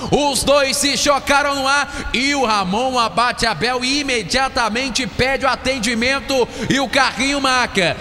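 A man with a Brazilian accent narrating a live football match on radio, fast and excited, shouting at the big plays. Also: extremely high pitch, in a large hall, slight background noise. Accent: Brazilian Portuguese.

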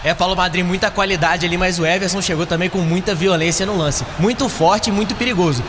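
A man's voice: sits high, fast talker, big-room sound, noisy background. A man with a Brazilian accent reporting from the field on a live radio football broadcast, conversational and descriptive. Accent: Brazilian Portuguese.

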